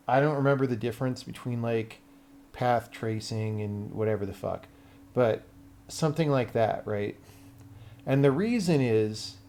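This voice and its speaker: A man's voice: mid-range voice, darkish tone, a little hiss or hum. Blunt American man chatting on stream. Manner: blunt, sweary, thinking aloud. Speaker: game developer and livestreamer. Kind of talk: casual livestream chat, explaining to viewers.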